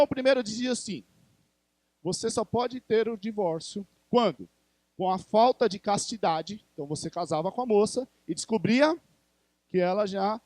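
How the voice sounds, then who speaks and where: A man's voice: sits high, a little mellow, dry recording. A male pastor with a Brazilian Portuguese accent, preaching a conversational sermon in church and putting questions to the congregation.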